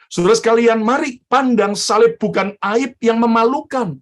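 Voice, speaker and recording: An animated male pastor delivering a sermon, with a noticeably high voice. He keeps calling on the congregation to say amen and applaud. His delivery is lively and direct. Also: normal speed. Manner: animated preacher, calls for amens.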